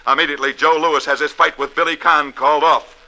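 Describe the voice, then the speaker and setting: A man's voice: a little high, flat delivery, quick pace, bright, forceful tone, poor audio. A man hosting a sports radio show, narrating scripted stories in a dramatic, declamatory way.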